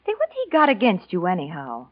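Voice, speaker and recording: An actress playing a brash, nosy young office secretary who talks in a breezy, blunt, slangy way, in 1940s radio acting style. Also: female voice, lowish voice, wildly swooping pitch, brisk. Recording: lo-fi old radio broadcast.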